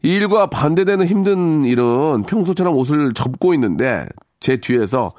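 Male radio host, polite and conversational, animated delivery with casual asides, close dry studio recording. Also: a little high, normal speed, dry recording. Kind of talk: reading listener stories and commenting, casual radio talk.

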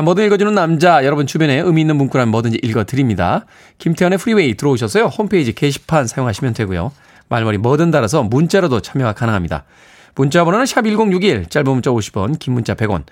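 A man's voice: medium pitch, a little mellow. A man hosting a radio show, chatting, reading listener messages and plugging events with self-mocking humor. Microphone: studio microphone.

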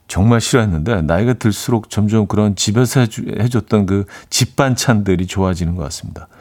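A man in his forties hosting a radio show, chatting casually and loosely with many fillers while answering listener messages. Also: on the low side. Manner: relaxed, rambling, many fillers.

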